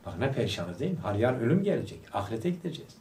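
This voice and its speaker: A man leads a religious study talk with fervor, throwing rhetorical questions and coaxing the audience to reply. His mid-pitched voice comes from a distance in a reverberant hall. A faint background hiss sits under the speech. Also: very animated, rapid-fire, darkish tone. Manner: fervent, fires rhetorical questions at listeners; prompts the audience to answer aloud. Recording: echoey room, voice picked up from afar.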